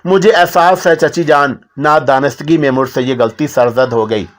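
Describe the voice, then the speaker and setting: A man's voice: fairly high pitch, moderate pace, natural voice. A man voicing a playful young daughter who teases in his own reading voice. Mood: teasing. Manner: teasing.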